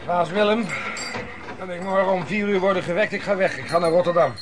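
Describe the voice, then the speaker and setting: Actor as a quick young peddler lad. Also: male voice, high-pitched, background noise, close to an everyday voice. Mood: earnest. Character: cheeky, assertive young male street peddler. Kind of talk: Dutch radio play acting.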